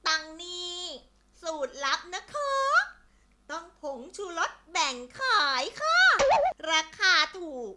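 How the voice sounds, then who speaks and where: A woman's voice: extremely high pitch, big pitch swings, slow, bright, forceful tone, exaggerated voice. A woman voicing a scheming frizzy-haired witch in a children's story, with a theatrical, cackling, sing-song manner. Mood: brazen, cheerful. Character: frizzy-haired scheming witch, gleefully cooking junk food. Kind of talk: exaggerated children's story acting.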